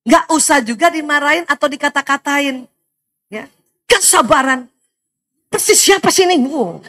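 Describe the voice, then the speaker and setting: Middle-aged lady lecturing moms, high voice, laughs a lot, keeps asking the crowd questions. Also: normal speed. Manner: animated, laughs often, asks the audience rhetorical questions. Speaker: lecturer speaking to mothers. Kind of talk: lively seminar talk.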